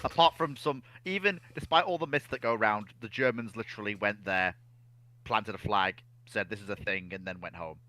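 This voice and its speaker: A man with a slightly low but bright, forceful voice chats as a panelist. He is blunt and clipped, making his points in short statements. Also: a little fast. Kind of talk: casual chat.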